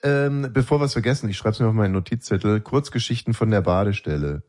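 A man with a somewhat low voice co-hosts a podcast in loose, casual banter. He rambles ironically and pads his talk with plenty of filler sounds. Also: fast talker, darkish tone. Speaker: podcast and radio co-host.

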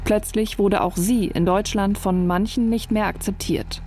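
A woman narrates a documentary report in a middle-pitched voice. Her delivery is calm and measured, as if reading a script. Quiet music runs behind her. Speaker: journalist narrator. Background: faint music.

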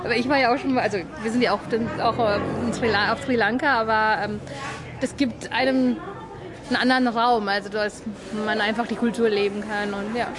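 A woman's voice: a little high, fairly even intonation, a little fast. A woman in her thirties, interviewed casually, speaking hesitantly and searching for words. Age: 30s. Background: crowd chatter.

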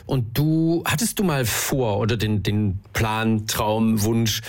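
A man's voice: fairly low pitch, steady tone, slow. A man hosting a radio talk show, asking curious questions and affirming often. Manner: chatty, curious, affirming with frequent mhm. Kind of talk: radio interview.

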